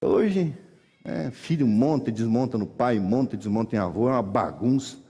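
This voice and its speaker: A middle-aged male pastor, preaching a sermon in animated, folksy storytelling that acts out voices. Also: mid-range voice, moderate pace. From Brazil. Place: church hall. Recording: reverberant church hall.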